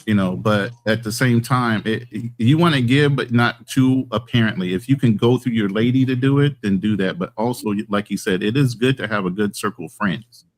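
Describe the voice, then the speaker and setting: A relaxed, fairly low-voiced American man chats on a call about life abroad. He tells stories at an easy pace and now and then acts out the other people in them. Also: moderate pace, few pauses. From United States. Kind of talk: casual video-call chat. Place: abroad in the mountains.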